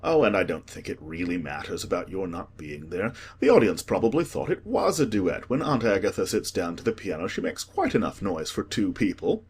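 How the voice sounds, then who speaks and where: A man voicing a witty, languid aristocratic gentleman with a teasing, ironic manner. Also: low voice, very animated, a little fast, few pauses, husky, full character voice.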